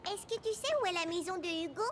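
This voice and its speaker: A woman's voice: extremely high pitch, quick pace, slight background noise. A woman voicing a curious, cheerful four-year-old boy in a cartoon, asking eager childlike questions. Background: music.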